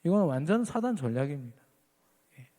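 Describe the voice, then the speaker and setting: A man's voice: fairly high pitch, sing-song, brisk, warm tone, long reverb tail. A man preaching an earnest sermon as pastor at a midweek church service, lifting his voice on key phrases.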